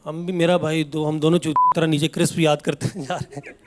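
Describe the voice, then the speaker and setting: A young man performing a stand-up comedy set, telling family stories and acting out his relatives in an animated way. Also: on the high side, brisk, heavy background noise. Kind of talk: stand-up routine. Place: comedy stage before a live audience.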